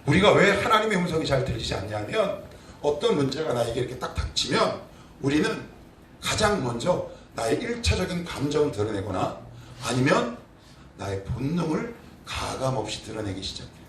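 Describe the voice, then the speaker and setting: A man's voice: mid-range voice, big pitch swings, normal speed, a bit bright, a little hiss or hum. A man in his forties, a pastor preaching a conversational sermon full of rhetorical questions to his congregation. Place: church sanctuary. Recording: echoey church from a distant mic.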